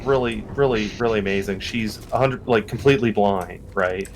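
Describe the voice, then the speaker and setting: A man's voice: lowish voice, normal speed, a little hiss or hum. Tired man with a northeastern US accent. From northeastern United States. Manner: rambling, restarts, animated storytelling. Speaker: gamer on a stream. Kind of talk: casual chat while gaming.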